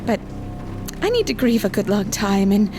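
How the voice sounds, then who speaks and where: A woman's voice: mid-range voice, very animated, normal speed, lightly acted. A grieving small-town woman, played by an actress in an audio drama. She is plain-spoken, with a mid-range voice. Music sits behind her. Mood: bittersweet.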